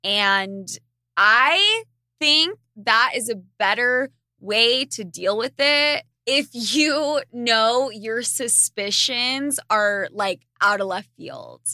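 Her voice sits on the high side, bright and pushed, and she stretches out her words expressively. This young podcast host of Argentine family reads listener questions and answers them bluntly, full of crude humor and frequent laughter. The studio sound is clean and dry.

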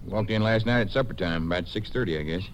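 An actor playing a folksy, defensive Texas rancher in a 1950s western radio drama. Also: male voice, fairly low pitch, quick pace, lightly acted. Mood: guarded, folksy. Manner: folksy, hesitant explaining that turns indignant. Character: touchy, defensive Texas rancher, adult man. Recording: noisy old-time radio recording.

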